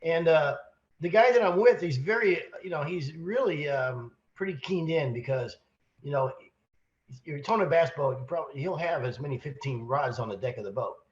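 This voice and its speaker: Hoarse guy with a cold rambling through a story, kinda muffled recording. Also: fairly high pitch, moderate pace. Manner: rambling, animated storyteller with restarts. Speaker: podcast co-host, sales manager. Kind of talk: casual storytelling chat.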